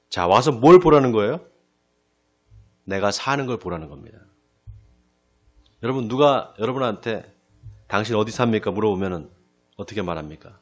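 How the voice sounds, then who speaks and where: A male pastor giving a sermon. He asks the congregation questions and answers them himself, slows down to stress key phrases, and often drops to a quiet close. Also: fairly low pitch, lo-fi sound. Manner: lively preaching, rising then dropping to a quiet close. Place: church sanctuary.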